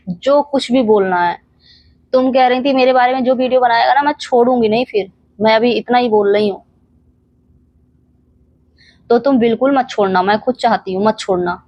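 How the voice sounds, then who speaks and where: A young woman addresses her camera in a heated reaction vlog, firing rhetorical questions at an absent rival and scolding her directly. Her voice sits a little high. The sound is dry and close, with no room around it. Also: no room sound, lo-fi sound. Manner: rhetorical questions and repeated challenges. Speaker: reaction channel creator.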